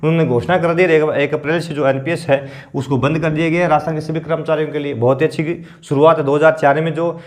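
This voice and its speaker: A male coaching teacher with a sore throat, clearing his throat as he explains a lesson slowly and repeats the figures. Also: on the high side, steady tone, darkish tone. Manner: explains slowly, repeats figures, keeps asking "theek hai na".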